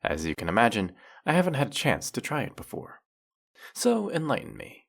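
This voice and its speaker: A man's voice: mid-range voice, huge pitch swings, a little fast, gravelly, a bit bright, full character voice. A man playing a teasing, sarcastic, flirtatious male faerie in a scripted roleplay monologue, scolding the listener with dry, theatrical playfulness. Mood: teasing, curious.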